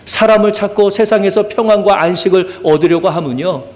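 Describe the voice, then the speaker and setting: A man's voice: sits high, brisk, darkish tone. A male pastor giving an earnest Sunday sermon in a church, often drawing amens from the congregation. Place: church sanctuary.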